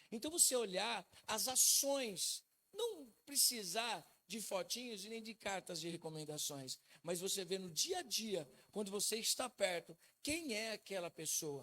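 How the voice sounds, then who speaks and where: This man's high voice is raised and projected, with a bright, sharp tone. He speaks at a fairly slow pace, his pitch swinging very widely. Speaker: apostle preaching a sermon. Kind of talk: sermon.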